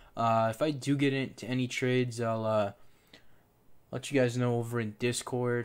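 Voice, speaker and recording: On a very clean recording with a silent background, a man talks at a medium pitch in a flat monotone. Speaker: stock trader livestreamer. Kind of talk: live trading commentary. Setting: livestream. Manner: casual, halting with fillers.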